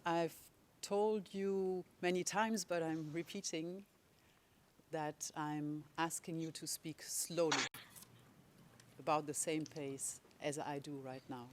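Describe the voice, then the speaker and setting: A legal representative speaking in a measured, deliberate way while questioning a witness in court. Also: mid-range voice, a little hiss or hum.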